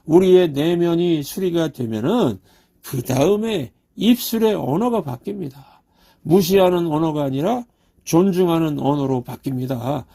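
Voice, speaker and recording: A man's voice: high voice, vocal fry, dark tone. A male pastor preaching a Sunday sermon in a church, asking rhetorical questions and acting out quotes. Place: church sanctuary.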